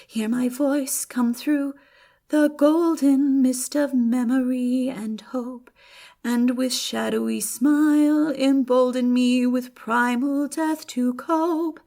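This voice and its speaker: A woman performing a lovelorn young man in an audiobook, singing slow, drawn-out verse with melodic yearning. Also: high voice, steady tone, creaky, mellow, soft background music, heavily acted.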